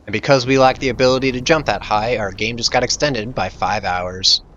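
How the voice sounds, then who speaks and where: A man with a medium-pitched, bright and forceful voice hosts a video game playthrough. He commentates casually, with a wry, jokey, informal manner. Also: brisk, dull audio, slight background noise. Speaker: video game let's play host.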